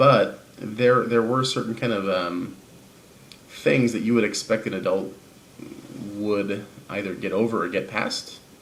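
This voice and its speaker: Against noticeable background noise, a man talks at a fairly slow pace with fairly even intonation and long, frequent pauses. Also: fairly low pitch for a man. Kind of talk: casual talk to camera.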